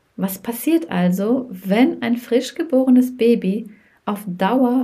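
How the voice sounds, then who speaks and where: Her voice fairly high, somewhat breathy and dark and mellow in tone, a woman speaks at a very slow pace. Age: 30s. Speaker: podcast host, mother.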